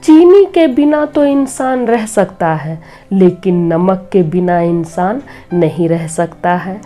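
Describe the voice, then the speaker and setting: Middle-aged woman host, slightly hoarse, low mellow voice, slow earnest preaching, faint music under. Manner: earnest, preachy, gently advising. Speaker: devotional storyteller and channel host. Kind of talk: moral talk and devotional storytelling.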